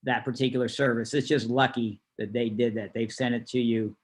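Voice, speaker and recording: A man's voice: mid-range voice, steady tone, a little fast. Man teaching an informal online class. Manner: conversational, explanatory. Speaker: class instructor. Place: online video call.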